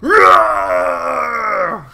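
A man's voice: high voice, wildly swooping pitch, extremely slow, vocal fry, pushed and bright, husky, shouting. A man commentating a strategy game in a playful, casual style, laughing often. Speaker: esports commentator.

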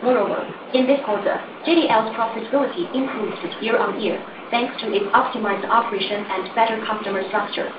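A woman's voice: a little high, brisk, hardly any pauses. Woman interpreter on a noisy, roomy call. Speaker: interpreter for executive. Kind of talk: read English interpretation of corporate remarks. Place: conference call. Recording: dull, roomy, noisy distant conference line.

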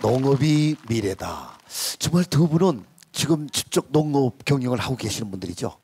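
A man's voice: medium pitch, moderate pace, slightly rough. A middle-aged man hosting a singing contest on an open-air stage into a handheld mic, teasing and bantering. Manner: teasing, animated. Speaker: host of a televised singing contest. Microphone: handheld microphone.

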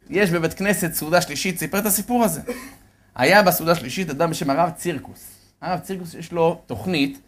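A man telling a religious story as a lecturer, animated and often telling his audience to listen well. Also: on the high side. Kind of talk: storytelling sermon.

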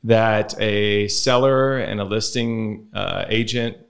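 A man with a calm, smooth, measured voice, talking as a guest broker in a casual chat. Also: lowish voice. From San Diego area. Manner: measured, deliberate.

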